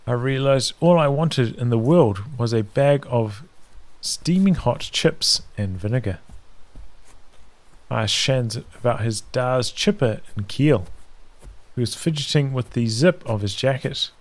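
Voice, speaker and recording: A man's voice: medium pitch, animated, a little slow. A man streaming a read-aloud of a visual novel in a narrative style.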